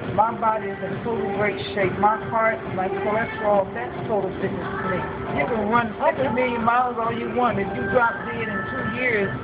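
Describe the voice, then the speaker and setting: The speech moves at a moderate pace with ordinary pitch variation. Loud background noise fills the recording. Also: woman. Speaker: interviewee. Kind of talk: casual conversation about fitness. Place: gym. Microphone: camera far.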